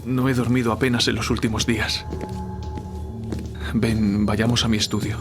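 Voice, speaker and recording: An actor playing a guilt-ridden male writer, confessing haltingly in an audio horror drama over music. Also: medium pitch, level tone, lightly acted. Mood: weary, uneasy. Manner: hesitant, halting confession with repeated words. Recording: music bed behind the voice.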